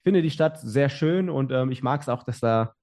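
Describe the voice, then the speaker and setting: A man's voice: mid-range voice, moderate pace, a little mellow. A young adult man, a podcast guest, telling his story in casual talk with many fillers and restarts.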